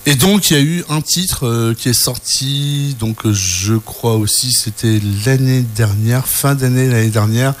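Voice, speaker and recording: A man co-hosting a radio music show in a relaxed, chatty way. His pitch sits in an ordinary middle range, and he stops often to hunt for the next word. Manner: hesitant, many fillers and restarts. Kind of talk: casual radio chat.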